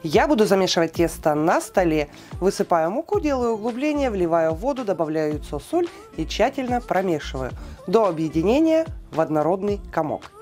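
A woman giving a calm, precise step-by-step cooking voice-over, listing weights and steps, with soft music behind her. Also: lowish voice, brisk. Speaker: cooking channel host.

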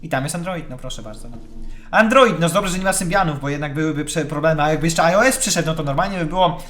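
A man giving chatty live commentary on a horror game, excitable and shouting when scared. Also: fairly high pitch, rapid-fire, faint music behind. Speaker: let's play gamer.

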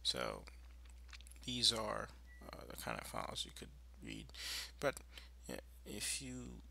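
A man presenting an informal screencast tutorial, explaining in a halting, improvised way. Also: fairly low pitch, wildly swooping pitch, gravelly, sharp tone.

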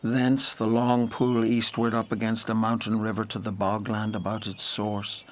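An actor as deep brooding storyteller. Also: male voice, little pitch movement, close to an everyday voice. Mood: brooding, measured. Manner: measured, lyrical, deliberate phrasing. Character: brooding male storyteller of a boy's lonely journey. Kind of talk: literary audio drama narration.

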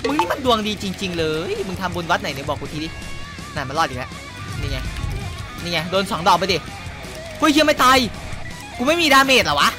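Young man, gaming commentary, crude trash talk, very lively pitch, loud game music behind. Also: fairly quick, long pauses. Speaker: gaming YouTuber. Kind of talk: casual gameplay commentary.

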